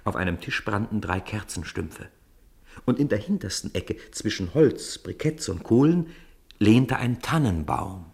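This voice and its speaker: Low, animated male storyteller. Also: measured pace, gravelly. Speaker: narrator. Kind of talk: scripted children's audio drama narration.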